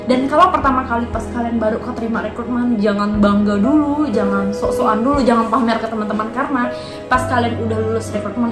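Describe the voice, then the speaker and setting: Young woman host, high voice, chatty explainer, echoey room with music going. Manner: explains step by step, speaks to viewers. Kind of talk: casual chat.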